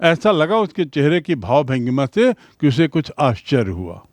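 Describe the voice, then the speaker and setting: A male teacher speaks in a slightly raised pitch at an unhurried, deliberate pace, with a dry and close sound. He reads English sentences aloud slowly and then explains each word, as in a recorded classroom lesson. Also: big pitch swings, no room sound.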